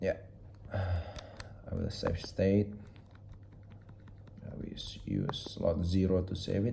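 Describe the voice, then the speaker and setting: Speaking at a very slow pace, a man uses a fairly low pitch with a dark, mellow tone and a somewhat breathy quality. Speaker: tech reviewer; handheld console reviewer. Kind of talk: casual tutorial. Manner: halting, many fillers. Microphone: phone near.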